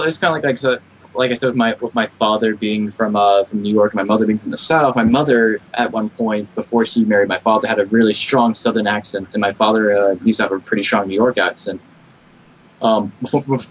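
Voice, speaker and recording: A young adult man from Florida, United States, with a General American accent, chats casually as a podcast guest, earnest and rambling. His voice has a fairly low pitch. The audio is poor, with slight background noise.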